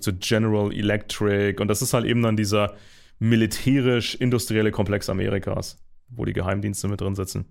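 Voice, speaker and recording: A man with a fairly low voice holds forth in an unscripted monologue. He rambles, restarts sentences and fills pauses with hesitations as he goes. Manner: rambling, many fillers and restarts. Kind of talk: casual monologue.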